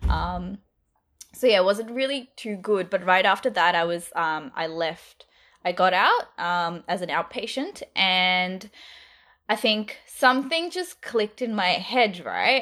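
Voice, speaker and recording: With an Australian accent, a woman at a medium pitch talks with lively intonation over a very clean recording and a silent background. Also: fairly slow pace. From India, raised in Brisbane, Australia. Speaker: civil engineer and youth mental health advisor. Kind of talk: casual interview chat.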